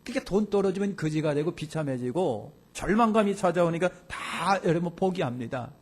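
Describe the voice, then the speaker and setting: Husky, animated male pastor preaching. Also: on the high side, moderate pace. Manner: animated storytelling, rising to loud emphatic outbursts. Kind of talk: sermon. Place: church sanctuary.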